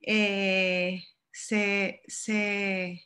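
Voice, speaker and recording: A Mexican woman whose first language is Spanish, speaking carefully with a Mexican Spanish accent and halting to search for words as she begins an academic presentation over a video call. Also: mid-range voice, flat delivery, sharp tone. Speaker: guest speaker, doctoral researcher. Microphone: online video call.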